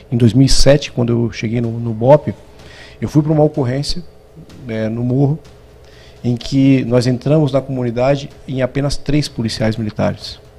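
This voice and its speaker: Long, frequent pauses break up speech delivered with fairly even intonation. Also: man. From Florianópolis, Santa Catarina, Brazil. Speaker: military police officer. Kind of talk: interview.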